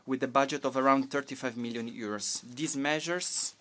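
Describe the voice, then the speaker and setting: Woman minister, smooth resonant voice, slow careful formal delivery. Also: rumbling low. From Portugal. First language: Portuguese. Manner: measured, halting delivery with restarts. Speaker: government minister giving a statement. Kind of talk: formal conference speech in a second language.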